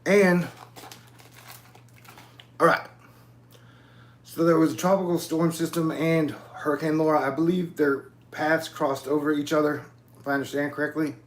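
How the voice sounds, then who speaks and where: Rambling man in his forties, higher voice. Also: flat delivery, normal speed, long pauses. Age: 40s. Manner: loose, digressive, swears casually. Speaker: YouTube channel host. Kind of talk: casual rambling monologue.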